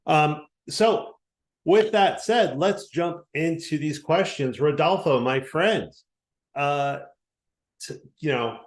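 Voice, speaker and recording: A man moderating an online panel, chatting casually in a self-deprecating way with fillers. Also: medium pitch. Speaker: panel moderator and podcast host. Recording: roomy video-call audio.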